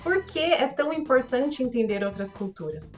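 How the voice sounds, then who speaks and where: A woman who works as an educational consultant, talking earnestly in a relaxed podcast conversation and often tagging her sentences with filler words. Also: high-pitched, normal speed, soft background music. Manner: earnest, frequent filler tags.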